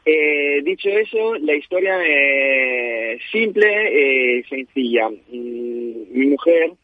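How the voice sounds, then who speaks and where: A man from Italy with an Italian accent, a native Italian speaker, chatting as a restaurant co-founder in a phone interview, hesitant with many fillers and quick to laugh. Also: medium pitch, expressive, no room sound. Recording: tinny dry phone line.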